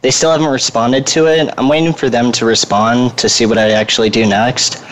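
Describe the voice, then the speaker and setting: A man's voice: mid-range voice, steady tone, a little fast, slight background noise, low-quality recording. Laid-back male podcast guest. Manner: laid-back, laughing, swearing. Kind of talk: casual podcast chat.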